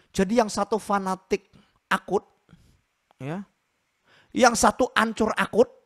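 Against a quiet background, a man speaks at a moderate pace in a high pitch with an animated tone. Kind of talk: sermon and Bible teaching, online. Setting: online video call or livestream. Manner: animated, conversational. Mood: animated, humorous storytelling. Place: home room. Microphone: handheld.

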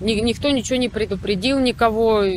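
Fairly high female voice in a dry sound with no echo, over light background noise. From Mariupol, Ukraine. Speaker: local resident. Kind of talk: street interview. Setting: outdoors on the street. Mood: subdued, weary. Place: street. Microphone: handheld.

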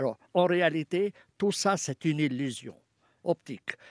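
The sound is dry with no echo, over a quiet background. Pitch variation is ordinary. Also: man. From Palestine. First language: Arabic (speaking French). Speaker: professor and Quran translator; professor. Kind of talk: radio interview. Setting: remote studio link. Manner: hesitant, many fillers. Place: studio.

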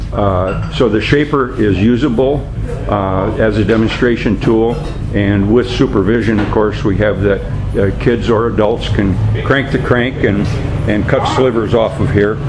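Music plays in the background as a man speaks at a fairly slow pace, his loudness very even and his intonation fairly even. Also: fairly low pitch for a man. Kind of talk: casual walk-through commentary. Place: workshop. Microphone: phone near.

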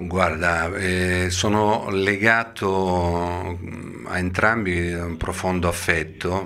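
A man talks at a very slow pace with a very deep, low pitch. His intonation is monotone and flat, with a bright, sharp tone. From Rimini, Italy; Italy. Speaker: impressionist entertainer; comedian impersonator interviewed. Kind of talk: backstage interview. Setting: theatre dressing room. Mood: warm, fond storytelling.

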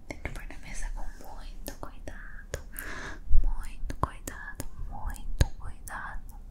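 Whispering at a very slow pace, a woman speaks with a gentle tone. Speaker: ASMR content creator. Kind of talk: soft ASMR product talk. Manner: gentle whisper leaning into mic. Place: studio. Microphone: studio mic.

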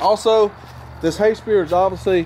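Light background noise accompanies a man speaking at a moderate pace. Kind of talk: tutorial. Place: open country.

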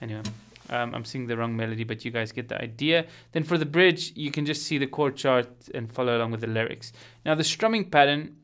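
A man's very fast delivery with ordinary pitch variation. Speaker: guitar teacher. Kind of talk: tutorial. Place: home room. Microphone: phone near.

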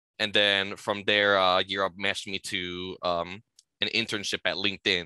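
With a Chicago accent and a bright, sharp tone, a man talks in a dry sound with no echo against a quiet background. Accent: Chicago American English. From Chicago, Humboldt Park. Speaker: tech sales training alumnus, former restaurant waiter; tech sales training alumnus. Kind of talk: casual interview. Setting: video interview on camera. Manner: hesitant, many fillers. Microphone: headset.

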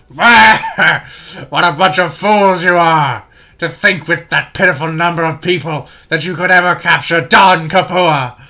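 Putting on a character voice, a man speaks high for his sex at a fairly slow pace, with ordinary pitch variation. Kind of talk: comic overacting. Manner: bellowing, bloodthirsty, over the top.

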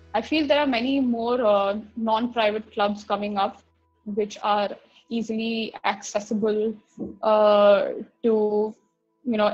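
A woman's monotone, flat delivery at a fairly slow pace, with faint background music. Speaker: guest. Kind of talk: interview answer. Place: home room.

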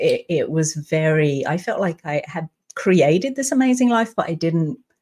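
Her voice is somewhat breathy, with lively intonation. The woman keeps a moderate pace. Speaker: podcast guest, teacher coach. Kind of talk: interview answer. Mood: warm, upbeat. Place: home room. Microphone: video call.

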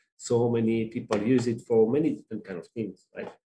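A man speaks with a dark, mellow tone. Audible room echo surrounds his voice. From Belgium, French-speaking part. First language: French. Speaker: bootcamp graduate giving a tech talk; conference presenter. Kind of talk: tech talk presentation. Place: home room. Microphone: headset.

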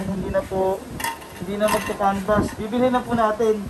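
Noticeable background noise is present. A man talks over it at a moderate pace. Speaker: charity vlogger. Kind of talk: casual vlog chat. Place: shop. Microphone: phone near.

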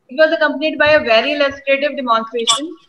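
Over light background noise, a woman uses a raised, projected voice at a very fast pace with fairly even intonation. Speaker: webinar moderator. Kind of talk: formal moderation. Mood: polite, formal. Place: office. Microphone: video call.

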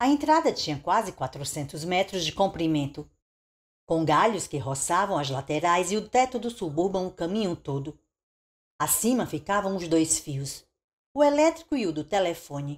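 A woman speaks in a dramatic tone, her fairly low pitch making very wide swings. The recording is very clean, with a silent background. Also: moderate pace. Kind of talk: audiobook narration reading a novel aloud; dramatic narration of a tense horror scene. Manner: dramatic, suspenseful, tense pacing with shifting tone for fear and dialogue.

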